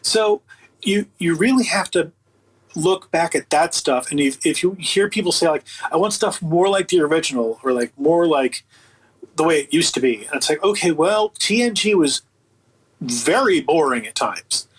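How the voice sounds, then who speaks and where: Guy guest on a show, raspy and a bit high, casual opinionated talk, emphatic. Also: lively intonation, normal speed, poor audio. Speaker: interview guest, audio book producer.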